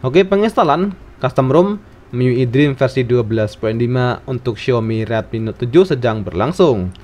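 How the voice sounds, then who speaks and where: A man's voice: mid-range voice, animated, moderate pace, darkish tone. A man narrating a scripted tech tutorial, giving instructions phrase by phrase.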